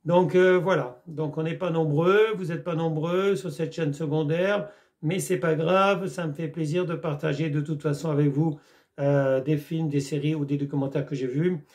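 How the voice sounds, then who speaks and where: Gravelly, hesitant French man reviewing films. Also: on the high side, fairly even intonation, normal speed, a little mellow. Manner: rambling, many hesitations, repeats "mes amis". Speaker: YouTube film reviewer. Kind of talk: casual chat to camera.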